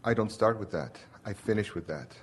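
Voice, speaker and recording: Earnest man from Lebanon, low voice. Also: lively intonation, fairly quick, breathy edge. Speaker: audience member on stage. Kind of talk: conversation with a speaker.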